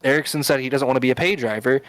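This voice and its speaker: A man's voice: mid-range voice, racing, fairly bright tone, no echo, low-quality recording. A man hosting a podcast in casual chat, explaining at length with lots of fillers and restarts. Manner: rambling, filler-heavy explaining. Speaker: podcast host.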